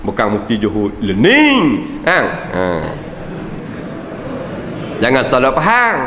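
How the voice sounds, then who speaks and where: A man's voice: mid-range voice, slow, background noise. A man with a Malaysian Malay accent giving a religious lecture, joking and often checking with his listeners. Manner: lively, jokey, checks the audience with frequent 'ha', 'nah', 'nampak?'. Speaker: religious teacher. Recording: echoey hall with long reverb, faint ambience.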